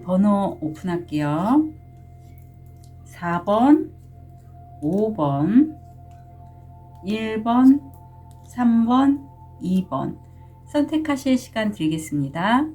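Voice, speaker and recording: Korean tarot reader with a sore throat. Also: female voice, medium pitch, very animated, drawn-out words, pauses often, soft background music. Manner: chatty, warm-hearted, with frequent fillers and small laughs. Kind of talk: casual tarot reading to viewers.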